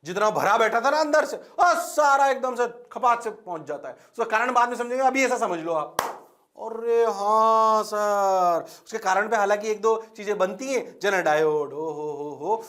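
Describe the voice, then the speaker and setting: High-voiced, energetic male teacher. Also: brisk, hardly any pauses. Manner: energetic, coaxing questions to the class; playful, teasing. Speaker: physics teacher. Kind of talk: classroom lecture. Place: classroom.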